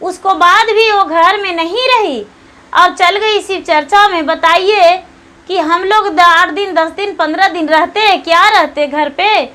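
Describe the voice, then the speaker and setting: An aggrieved young husband, stubborn and defiant, who airs his complaints slowly. A woman storyteller voices him in her own high, bright tone. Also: full character voice. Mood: complaining.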